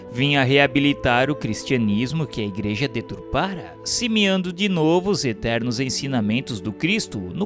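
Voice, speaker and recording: A Brazilian man reading a religious text as solemn scripted narration, in a formal, declamatory manner. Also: mid-range voice.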